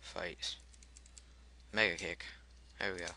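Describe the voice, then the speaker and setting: A man's voice: deep voice, level tone, slow pace, creaky, bright, forceful tone, a little hiss or hum. Irritated man cursing through gameplay. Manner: frustrated, swearing at the game, muttering menu choices. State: voice cracking. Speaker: gameplay commentator. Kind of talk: let's play commentary.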